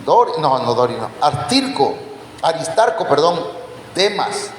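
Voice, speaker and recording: Male preacher, slow unhurried delivery with a raised pitch, quizzes the flock, roomy hall reverb with a faint background hiss. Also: very animated. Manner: quizzes the congregation with questions; addresses listeners as brothers. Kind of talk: Bible teaching sermon. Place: church hall. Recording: echoey church hall, faint background noise.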